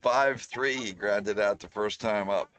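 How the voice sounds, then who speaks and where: A man doing relaxed play-by-play commentary on a youth baseball game, trading jokes with his co-host. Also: fairly low pitch, unhurried, a little hiss or hum. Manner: relaxed, joking banter with co-host. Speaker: play-by-play announcer.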